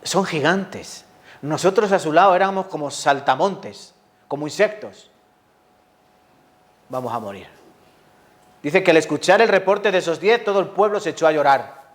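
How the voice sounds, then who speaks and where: A man preaching a sermon, lively and full of rhetorical questions to the congregation. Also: on the high side, normal speed, long pauses. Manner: lively, asks the audience rhetorical questions, acts out quotes.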